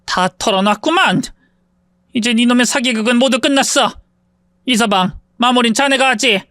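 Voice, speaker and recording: A man's voice: very high voice, moderate pace, bright, forceful tone, no room sound, studio quality, pitched above the performer's own voice. A man voicing a stern older shaman mother. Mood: commanding. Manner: commanding, scolding.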